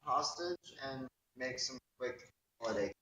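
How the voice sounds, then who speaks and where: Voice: medium pitch, animated, a little slow, crowd noise. A tabletop game player on a glitchy call whose voice keeps cutting in and out, talking in a pushy, scheming way. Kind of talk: casual in-character tabletop play. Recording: distant, echoey, noisy call line with clicks.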